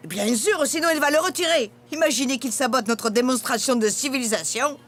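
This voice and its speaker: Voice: high voice, fairly quick, background noise, close to an everyday voice. An actor voicing a prim, indignant cartoon citizen with a declamatory manner. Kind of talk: animated series acting.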